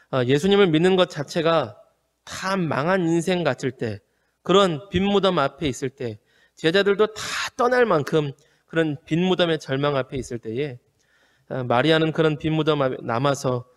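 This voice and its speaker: A male pastor preaching an earnest, measured sermon with frequent hesitant fillers. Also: a little high, in a large hall. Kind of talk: home worship sermon.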